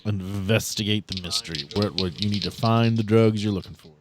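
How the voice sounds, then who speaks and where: A man's voice: lowish voice, fairly even intonation, a little fast, a crowd in the background. A man narrating a casual tabletop game as game master, with dry, teasing banter.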